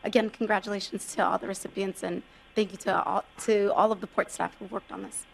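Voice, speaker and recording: A woman's voice: medium pitch, level tone, brisk, vocal fry, slight background noise, poor audio. A female commissioner speaking at a formal public meeting. She sounds polite and inquisitive as she asks staff to clarify a process. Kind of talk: formal meeting remarks and questions.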